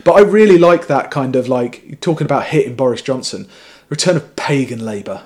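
A young man hosting a podcast, rambling through politics with many fillers and quick laughs. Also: mid-range voice, animated, a little mellow. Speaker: podcast host. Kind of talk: casual political chat.

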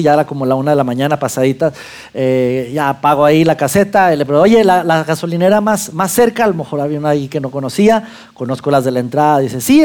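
A man with a Mexican accent telling a lively personal anecdote to an audience, acting out his own lines as he goes. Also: on the high side.

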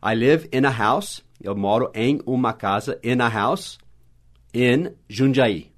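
A man with a Brazilian Portuguese accent teaching basic English on a podcast, explaining slowly and spelling words out letter by letter. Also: mid-range voice. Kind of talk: podcast lesson.

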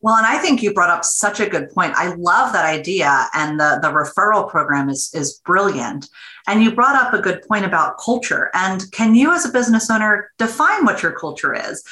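A woman executive giving measured, earnest business advice as a podcast guest. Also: mid-range voice, expressive, pushed and bright, reverberant. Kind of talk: interview answers.

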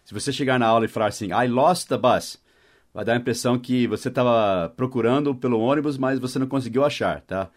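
A man's voice: medium pitch, fast talker. Man teaching English in a casual podcast. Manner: spells words out letter by letter, mixes English and Portuguese; checks in often with "tá?" and "né?".

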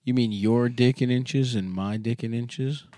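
Slow-talking man in crude comedy banter. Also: mid-range voice, steady tone, warm tone, dry recording. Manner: slow, laughing, crude joking. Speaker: podcast co-host.

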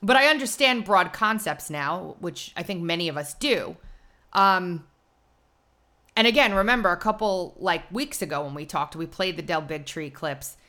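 Casting: female talk co-host, forceful and clear-cut tone, slightly low, informal explainer. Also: lively intonation, moderate pace. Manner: informal, explanatory, laughs easily. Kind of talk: casual live commentary, reading aloud.

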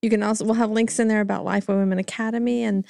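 A woman's voice: mid-range voice, little pitch movement, rapid-fire, gravelly, darkish tone, no room sound. A woman hosting a podcast, interviewing guests in a conversational style. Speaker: podcast host.

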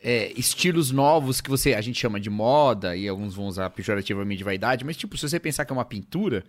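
A man's voice: medium pitch, expressive, quick pace. A man from Brazil co-hosting a podcast, musing over ideas in casual slangy chat. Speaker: podcast co-host.

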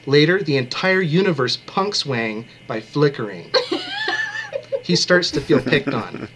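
A man's voice: a little high, lively intonation, unhurried, a bit bright, slight background noise. A man co-hosting a book podcast, reading a plot summary with dry, joking delivery. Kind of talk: casual book podcast chat and read summary.

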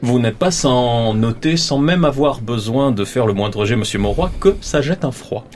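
A man's voice: medium pitch, lively intonation, normal speed, darkish tone, slight background noise. A man narrating a tabletop role-playing game as game master, descriptive and full of hesitations.

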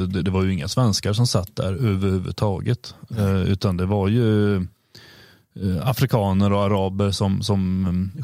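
Low-voiced man speaking hesitantly. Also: a little mellow, no echo, clean studio sound. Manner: hesitant, many fillers. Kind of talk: casual political discussion.

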